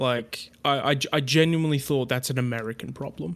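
With an Australian accent, a man speaks at a moderate pace. His medium-pitched voice keeps a fairly even intonation. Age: 20s. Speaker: podcast co-host. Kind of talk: casual chat.

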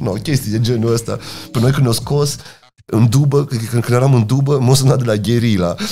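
Fairly quick speech with fairly even intonation over music in the background. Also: man, medium pitch for a man. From Romania, Bacău (Moldavia region). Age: 40s. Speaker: rock musician. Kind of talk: casual chat.

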